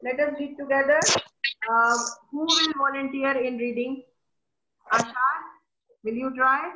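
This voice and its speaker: A woman teaching an online class, patient and explaining slowly with fillers. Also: high-pitched, fairly even intonation, bright, forceful tone. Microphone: video call. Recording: lo-fi video call audio.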